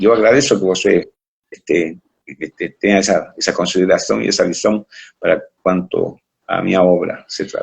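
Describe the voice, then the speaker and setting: Long pauses come often in this man's speech. Otherwise his pace is moderate. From Argentina, near Brazil border. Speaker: artist. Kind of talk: interview. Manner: halting.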